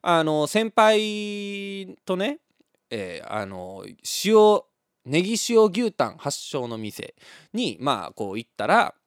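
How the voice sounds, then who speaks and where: Man, Kansai accent, slightly high voice, laughs a lot, casual radio talk. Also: slow pace, clear, resonant tone, dry recording, studio quality. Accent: Kansai Japanese. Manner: animated, laughs often between lines. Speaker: radio host. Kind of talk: casual solo storytelling.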